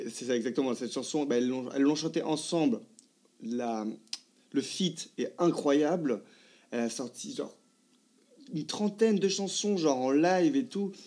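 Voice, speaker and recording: A man's fairly high voice with a dark, mellow tone, very wide pitch swings, a fairly slow pace and long, frequent pauses. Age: 20s. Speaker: art director. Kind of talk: casual chat. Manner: hesitant.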